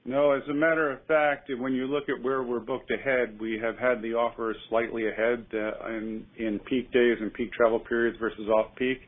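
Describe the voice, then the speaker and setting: A man speaking as an airline executive, giving measured, upbeat, unscripted answers on an earnings call. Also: mid-range voice, little pitch movement. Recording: narrow tinny conference phone line.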